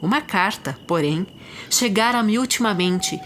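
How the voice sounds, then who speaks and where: A woman with a Brazilian accent narrating a classic short story as an audiobook, in a measured, expressive literary reading. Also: mid-range voice, slight background noise. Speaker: podcast host and literary narrator. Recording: music behind the voice.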